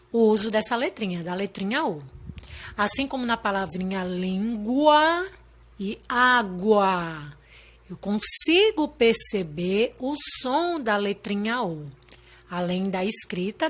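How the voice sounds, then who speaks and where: Woman teacher, unhurried, patient, checks in often with young pupils. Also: medium pitch. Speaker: primary school teacher. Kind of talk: slow recorded lesson.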